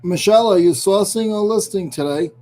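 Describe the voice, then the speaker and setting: A man's voice: high voice, a little fast, a little mellow. A man with a New England accent hosting a casual live stream, greeting viewers by name and joking about himself. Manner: chatty, greets viewers by name, self-deprecating jokes. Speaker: livestream host. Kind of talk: casual livestream chat.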